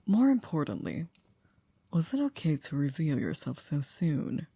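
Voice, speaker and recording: A woman playing a stern, dry chief maid in an ASMR roleplay, speaking in a formal, measured, reproachful way. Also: deep voice, sing-song, mellow, breathy edge, no room sound, heavily acted. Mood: polite reproach.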